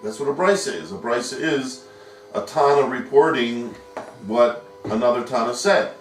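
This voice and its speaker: A man's voice: mid-range voice, normal speed, slight background noise. A man teaching a Talmud study lesson, patiently explaining step by step and posing rhetorical questions. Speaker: yeshiva teacher. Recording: echoey room, mic at a distance.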